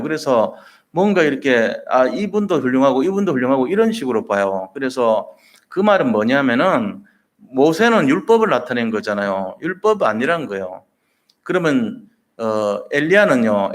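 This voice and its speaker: A male pastor preaches with a voice that rises and falls a great deal. He tells the story vividly and slips into the voices of the people in it. His pitch sits in a middle range. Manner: lively storytelling, acting out voices in quotes. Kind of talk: sermon.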